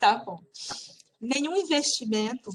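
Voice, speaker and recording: This woman's voice sits high in pitch. She talks at a fairly slow pace. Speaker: instructor in public budgeting course. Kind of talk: lecture.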